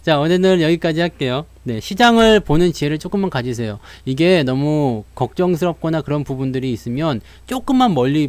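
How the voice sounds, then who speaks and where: Animated male stock market broadcaster. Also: on the high side, no room sound. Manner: lively, acts out investors' worries and answers them; addresses viewers directly with frequent fillers. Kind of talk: live stock market lesson.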